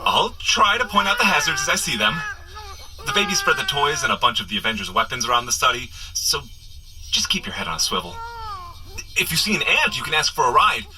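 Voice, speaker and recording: A man's voice: a little high, very animated, a little fast, loud music behind the voice, rough recording. A man playing a flustered, wisecracking superhero who rambles sheepishly as he coaches a runner in a comedic audio drama. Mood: wry, cautioning. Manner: rambling, sheepish, nervously joking asides. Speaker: character guide in an audio running adventure.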